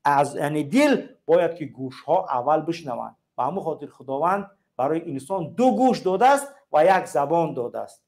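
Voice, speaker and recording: A man's voice: fairly high pitch, expressive, a little mellow. A man with a Tajik accent hosting a call-in show, talking in an emphatic, preachy way and piling up repeated phrases. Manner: emphatic and repetitive, stacks up parallel phrases. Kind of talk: preachy political call-in talk.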